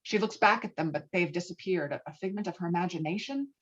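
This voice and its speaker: A woman's voice: on the low side, fast talker, muffled recording. A woman reading stage directions as scripted narration for a virtual table read, recorded over an online call. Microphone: online call microphone.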